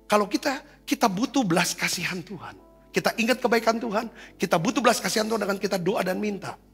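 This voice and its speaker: A man's voice: high voice, fast, gravelly, fairly bright tone, husky, long reverb tail, soft background music. A male pastor preaching a sermon in a conversational, exhorting way, often calling for an amen and asking rhetorical questions. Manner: exhorting, repeatedly asks for amens.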